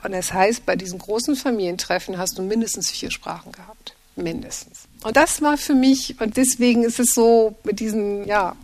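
A woman's voice: medium pitch, normal speed, few pauses, a little mellow. Reflective German-speaking woman translator. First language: French. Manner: reflective, many restarts and repeated words. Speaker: translator and editor, guest. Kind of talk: thoughtful conversational interview.

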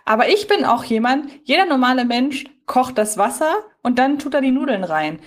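A woman's voice: high-pitched, expressive, moderate pace. A woman co-hosting a podcast, chatting casually in a reflective, digressive, wordy way. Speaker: podcast co-host. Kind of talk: casual review chat.

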